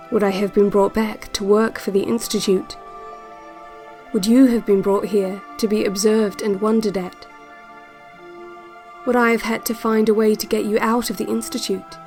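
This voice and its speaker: An actress playing a calm, yearning woman who narrates secret relaxation cassettes in a measured, intimate audio drama monologue. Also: on the high side, natural voice. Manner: measured, deliberate, repetitive phrasing.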